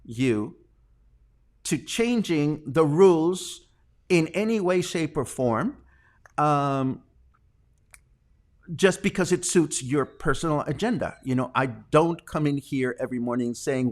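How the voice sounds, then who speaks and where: A man from Mexico hosting a daily live news stream, talking earnestly and defensively, with fillers and restarts. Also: mid-range voice.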